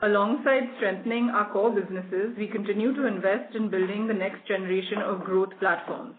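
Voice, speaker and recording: An executive reads a scripted earnings presentation in a formal, measured corporate way. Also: medium pitch, steady tone. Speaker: company executive presenting quarterly results. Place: conference call. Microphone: phone or conference call line. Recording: phone-like conference line with clear noise.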